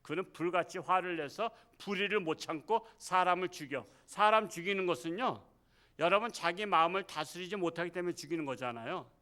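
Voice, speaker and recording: A man's voice: sits high, brisk, sharp tone. A middle-aged man preaching a Wednesday evening sermon as pastor, talking conversationally and putting rhetorical questions to the congregation. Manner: acts out quoted speech in the sermon. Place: church sanctuary.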